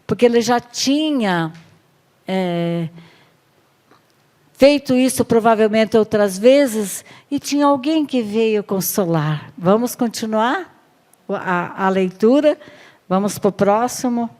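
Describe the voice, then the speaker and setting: A woman pastor with a Brazilian accent preaching to a women's service, lively and questioning the congregation. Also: a little high, slow pace. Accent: Brazilian Portuguese. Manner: lively, acts out Bible stories, asks the room questions.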